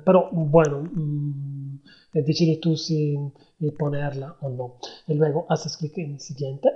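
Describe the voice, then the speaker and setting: A man giving a hesitant step-by-step software tutorial, with many pauses and fillers. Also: a little high. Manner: hesitant, many ums and ers. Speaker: tutorial host. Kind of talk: screen-recorded software tutorial. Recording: dull lo-fi voice-over.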